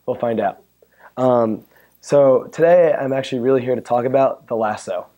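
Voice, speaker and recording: A man with a hoarse, worn-out voice giving a chatty, joking technical talk at a conference and bantering with the audience. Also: medium pitch, normal speed, lo-fi sound. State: hoarse, losing his voice. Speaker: conference speaker. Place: conference room. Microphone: handheld or stand mic.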